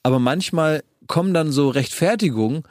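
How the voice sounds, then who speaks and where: A man's voice: a little high, moderate pace, a little mellow, dry recording, studio quality. A man co-hosting a casual talk, telling long rambling anecdotes and laughing as he goes. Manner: rambling storyteller, laughs often. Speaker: podcast co-host.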